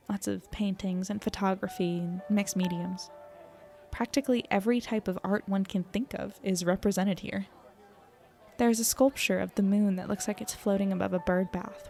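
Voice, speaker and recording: A woman's voice: medium pitch, warm tone, natural voice. A woman playing an earnest, self-deprecating young podcaster, chatty and descriptive as she narrates her evening in an audio drama.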